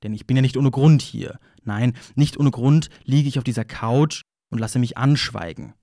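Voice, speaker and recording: A man's voice: medium pitch, normal speed, warm tone, dry recording, clean studio sound, close to an everyday voice. A man playing a wry, wounded narrator who confesses in a rambling, repetitive way, in an audio play monologue. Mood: wry, musing. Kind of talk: audio play monologue, ironic first-person storytelling.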